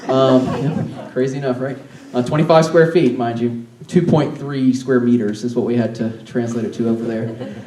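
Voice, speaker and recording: Mellow-voiced man recorded from afar. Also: medium pitch, steady tone, normal speed, hardly any pauses. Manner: casual with fillers. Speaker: marketing director for a downtown organization. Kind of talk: panel talk. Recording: roomy, distant mic, faint hiss.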